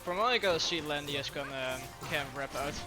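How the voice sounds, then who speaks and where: A man with a Dutch accent co-commentating a live tournament, reacting eagerly to each hit. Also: a little high. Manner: excitable, quick reactions to hits. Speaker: esports co-commentator. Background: game music.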